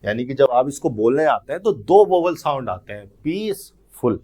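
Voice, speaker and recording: A man with as his teaching English grammar in an exam-prep lesson, explaining step by step and reading the English questions out slowly. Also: mid-range voice, expressive, darkish tone.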